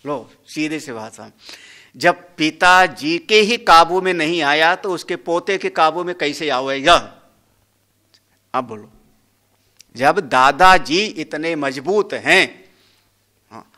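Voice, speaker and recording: A man's voice: fairly high pitch, bright, forceful tone. A man, a Hindu swami, giving a scriptural discourse, explaining a Sanskrit verse word by word and asking and answering his own questions.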